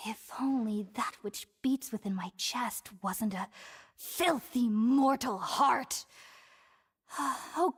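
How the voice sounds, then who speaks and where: Unhinged female zealot from a game, super high voice, slow fervent delivery. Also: a bit bright, heavily acted. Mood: anguished, pleading. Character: deranged female religious zealot, rapturous and desperate. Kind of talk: dramatic video game acting.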